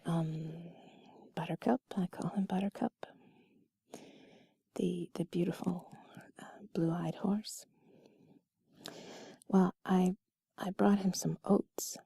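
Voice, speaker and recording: A woman telling a personal story in an intimate, cuddly, breathy whisper, soft, rambling and confiding, as if to one listener. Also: fairly low pitch, no echo. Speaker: intimate audio creator.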